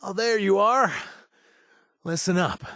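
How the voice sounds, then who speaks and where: A man playing a roguish, flirtatious wasteland companion in a video game, husky and sometimes breathy, with a hesitant, teasing, conversational drawl. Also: high-pitched, slow pace, sharp tone, no room sound, studio quality, exaggerated voice. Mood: friendly, teasing.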